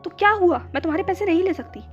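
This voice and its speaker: A woman voicing a gentle, practical young woman who protests earnestly, in a storybook reading. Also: very high-pitched, animated, fast talker, voice pushed up. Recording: dull lo-fi with background music.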